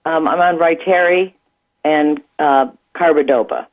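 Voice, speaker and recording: Lady in her 60s calling into radio, short soft answers, tinny phone sound. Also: sits low, measured pace. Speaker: caller. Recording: phone line.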